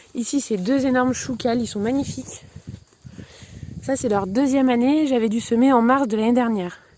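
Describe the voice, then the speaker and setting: High-pitched woman's voice with fairly even intonation and long, frequent pauses, plus audible room echo. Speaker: home gardener vlogger. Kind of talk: casual garden tour. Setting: outdoors in garden. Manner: fast; hesitant, many fillers.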